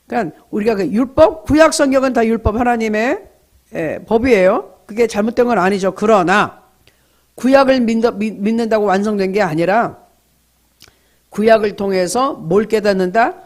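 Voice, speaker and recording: A middle-aged man preaches at a dawn prayer service, his voice sitting high for a man. He swings his delivery up and down, throws questions at the congregation and answers them himself, and slips into short quoted lines. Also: normal speed. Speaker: pastor. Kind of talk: early-morning prayer sermon.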